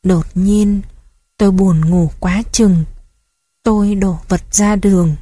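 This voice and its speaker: A woman reading a first-person memoir story aloud in a gentle, reflective storytelling manner. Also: medium pitch, steady tone, slow, no echo, studio quality. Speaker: narrator. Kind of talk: scripted narration of a memoir story.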